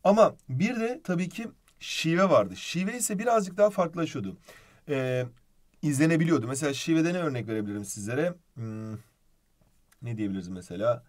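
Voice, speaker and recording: A man with a fairly high voice teaches an online literature lesson. He explains patiently, speaks to his students as friends and writes on the board as he goes. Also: expressive, moderate pace.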